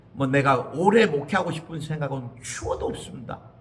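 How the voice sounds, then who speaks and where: Speaking at a moderate pace with lively intonation, a man is heard with audible room echo. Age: 60s. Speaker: pastor. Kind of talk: sermon. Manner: animated.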